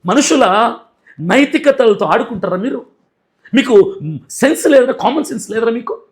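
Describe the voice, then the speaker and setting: High-voiced indignant man scolding. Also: animated, normal speed. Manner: indignant, scolding, repetitive rhetorical questions. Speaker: Christian activist and YouTuber. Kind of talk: angry video rant.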